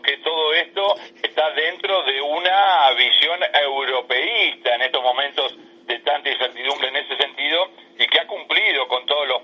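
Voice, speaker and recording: A man working as a radio interviewer, putting spontaneous political commentary and questions to a guest in a husky voice. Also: medium pitch, lo-fi sound.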